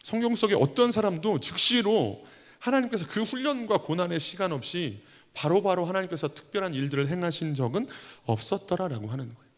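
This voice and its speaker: A man in his thirties, an associate pastor, preaching a conversational sermon with prayers voiced aloud. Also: a little high. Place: church sanctuary. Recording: long church reverb.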